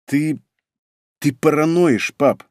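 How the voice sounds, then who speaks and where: A man's voice: fairly high pitch, takes it slowly, a little mellow, no echo. A man playing a young prince worn down by his father, answering in a tired, clipped voice. The sound is dry and close, like a narrated book. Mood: weary. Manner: tired, speaking through clenched teeth. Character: weary young male prince, resentful son.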